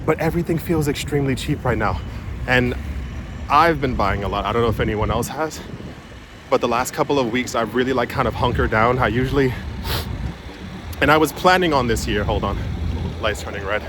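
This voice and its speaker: A man filming a casual vlog outdoors, rambling with many fillers and restarts, often keeping his voice low in public. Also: a little fast, pauses often. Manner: drops his voice to talk quietly in public. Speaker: crypto vlogger. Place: outdoors on a city street with traffic. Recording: street traffic noise behind.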